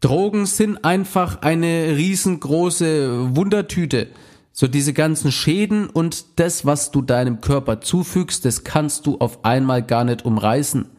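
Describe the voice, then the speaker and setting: A man's voice: on the high side, measured pace, a little mellow. A man in casual conversation, talking bluntly and with slang about his past experiences. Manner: blunt, colloquial, with slang and swearing. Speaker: former drug user sharing experience.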